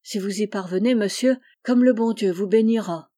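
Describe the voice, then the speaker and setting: A woman's voice: mid-range voice, moderate pace, mellow, lightly acted. A devoted young boy , as a woman reader puts him on, humble and imploring. Storybook audiobook reading. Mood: pleading, earnest.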